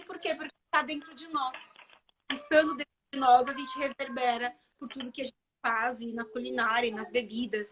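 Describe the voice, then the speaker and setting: Speaking in a high, sharp-toned voice against slight background noise, a Bahian-accented Brazilian woman chats as a guest chef in a casual live conversation. She repeats phrases to stress her points.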